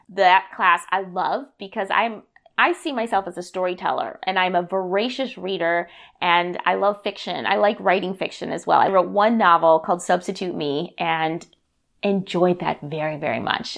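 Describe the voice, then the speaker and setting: Over a quiet background, a woman with an American accent talks at a moderate pace in an upbeat tone, with medium pitch and vocal fry. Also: ordinary pitch variation. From US Midwest, Milwaukee, Wisconsin. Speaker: author and podcaster. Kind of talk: interview conversation.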